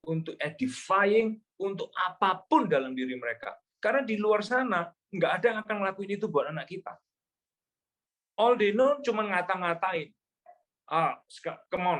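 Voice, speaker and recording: A middle-aged male pastor preaching a sermon, slipping English phrases into his talk and repeating key words slowly for emphasis. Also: a little high, a bit bright.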